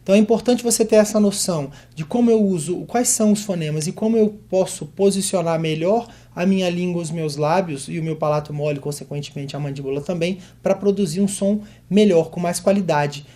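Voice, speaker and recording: Brazilian-accented vocal coach, warm and dark-toned, clear step-by-step explanations with spoken demonstrations. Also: mid-range voice, a little fast, few pauses. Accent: Brazilian Portuguese. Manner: explanatory, demonstrates vowels and drill syllables aloud. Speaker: voice teacher. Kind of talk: vocal technique lesson.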